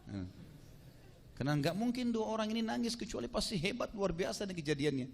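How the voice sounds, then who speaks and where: A man delivers a sermon as a story, talking to his listeners like friends. His voice sits a little high. He acts out the quoted speech with animated swings in pitch and drops in casual asides. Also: a little fast, gravelly. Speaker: preacher.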